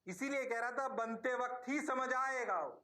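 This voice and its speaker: Animated, bright-voiced male teacher. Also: very high-pitched, normal speed. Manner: animated, coaxing, repeats questions to the class; playful. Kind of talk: classroom lecture.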